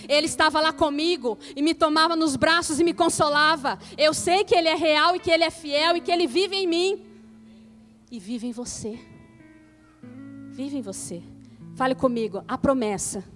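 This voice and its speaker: A woman pastor preaching a sermon to her congregation, mixing scripture reading with lively asides and call-and-response. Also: high voice. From Brazil. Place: church.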